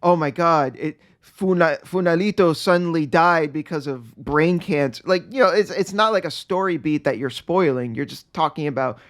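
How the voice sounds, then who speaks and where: Animated man chatting on a podcast. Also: fairly high pitch. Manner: animated, laughing, quick restarts. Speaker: podcast co-host. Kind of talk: casual chat.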